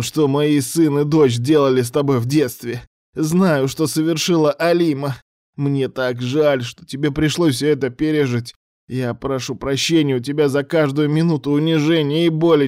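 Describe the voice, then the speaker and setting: A man's voice: mid-range voice, a little mellow, no room sound, studio quality, voice pushed up, close to an everyday voice. A man voicing a remorseful, broken old father who pleads in a wheezy, tearful voice in an audiobook. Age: older. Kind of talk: audiobook character voice.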